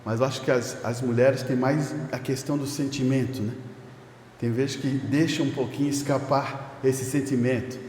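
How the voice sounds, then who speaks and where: Brief: male preacher, animated, chuckling, direct; long reverb of a church sanctuary. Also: medium pitch, moderate pace, a little hiss or hum. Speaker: pastor. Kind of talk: sermon. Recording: echoey church hall reverb.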